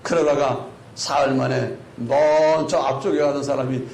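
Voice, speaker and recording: A male pastor preaching a sermon, telling the story with lively rhetorical questions to the congregation. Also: measured pace, creaky. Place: church sanctuary. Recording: echoey church hall with faint rumble.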